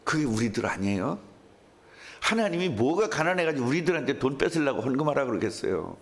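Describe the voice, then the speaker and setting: A man's voice: mid-range voice, fairly quick. A male pastor preaching a sermon, telling stories and acting out the voices of the people in them. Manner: animated storytelling with acted quotes.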